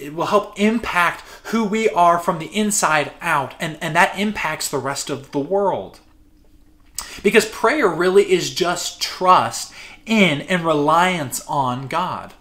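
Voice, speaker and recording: A pastor with a fairly high, slightly bright voice preaches earnestly and conversationally to his congregation. He repeats words for emphasis and acts out everyday prayers in an easy, natural tone.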